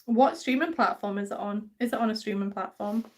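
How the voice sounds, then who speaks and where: A woman's voice: medium pitch, fairly quick. A young woman from England with a mixed English and Scottish accent, hosting a casual live stream and chatting with viewers in a rambling way, full of fillers. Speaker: livestream host. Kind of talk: casual live stream chat reading comments.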